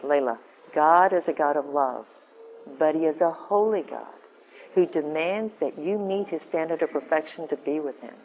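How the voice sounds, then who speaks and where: Low-voiced woman preaching to ladies, kinda rambly, dull lo-fi sound w/ faint room hum. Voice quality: deep voice. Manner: rambling, self-interrupting, earnest. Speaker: women's ministry speaker. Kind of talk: informal sermon talk.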